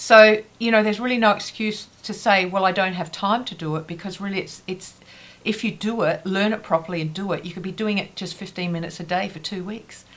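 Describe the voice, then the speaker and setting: Talking very fast in an Australian accent, a woman keeps a medium pitch with ordinary pitch variation. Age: 60s. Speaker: face exercise coach. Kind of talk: casual talk to camera. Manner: conversational, with fillers and repeats.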